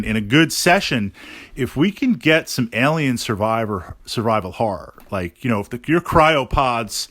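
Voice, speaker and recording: A man giving a casual podcast monologue as a gaming host, thinking aloud haltingly and repeating words for emphasis. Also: medium pitch, fairly bright tone, dry recording.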